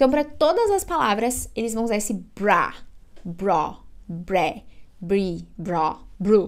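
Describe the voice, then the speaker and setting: A woman with a Brazilian accent speaks at a very slow pace with lively intonation. The background is quiet. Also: medium pitch for a woman. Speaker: English teacher. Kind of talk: online English lesson. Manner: animated.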